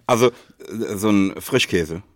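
Man, fairly low voice, dry studio-like sound, casual colloquial podcast chat, frequent tag questions. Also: takes it slowly, dry recording. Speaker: podcast co-host.

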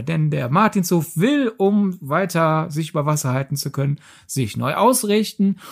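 A woman co-hosting a film podcast, explaining conversationally with wry asides. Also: lowish voice. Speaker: podcast co-host.

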